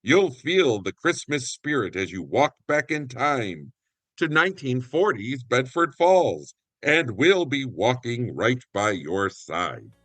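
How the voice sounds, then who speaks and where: A man's voice: mid-range voice, big pitch swings, slow pace, fairly bright tone, no echo. A man speaking as a community theater actor and announcer, explaining things conversationally. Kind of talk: conversational guest interview and warm sign-off narration.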